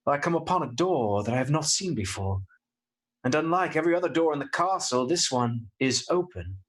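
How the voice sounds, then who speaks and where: An actor playing an anxious, polite young gentleman trapped in a castle, in a radio play with dramatic diary narration. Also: fairly high pitch, lively intonation, a little fast. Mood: dread. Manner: earnest, polite, uneasy.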